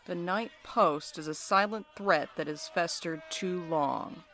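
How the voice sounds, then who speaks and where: A man's voice: high voice, a little slow, pushed and bright, faint music behind, exaggerated voice. A man playing a cocky, sarcastic, wisecracking night worker in an audio drama. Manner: sardonic, teasing. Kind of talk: audio drama dialogue, conversational.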